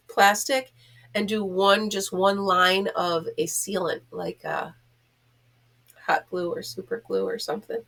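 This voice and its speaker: A woman's voice: mid-range voice, a bit bright. A middle-aged or older woman chatting casually in a rambling, self-deprecating way on a vlog, stuffed up from a cold so she sounds like her nose is pinched. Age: middle-aged or older, a grandmother. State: stuffed up from being sick. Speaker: host of a crochet vlog.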